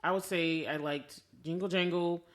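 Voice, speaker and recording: A woman chatting casually as a podcast co-host, reviewing films in an animated, storytelling way and acting out quotes. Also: lowish voice, normal speed. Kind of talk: casual chat, film review.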